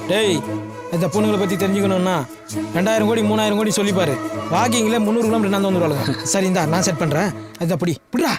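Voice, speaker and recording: An actor playing a boastful, blustering comic character in Tamil film dialogue. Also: male voice, sits high, quick pace, close to an everyday voice. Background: film score music.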